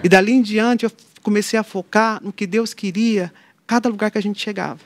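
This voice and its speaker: A woman's voice: mid-range voice, a little fast, dry recording. A middle-aged woman talks about her family and her faith as an interview guest, and she gives each person in her story a voice of their own. The recording is dry and close, with no room sound around her. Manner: lively storyteller who acts out quoted dialogue. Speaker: interview guest, mother of an atypical child. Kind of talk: personal faith testimony in conversation.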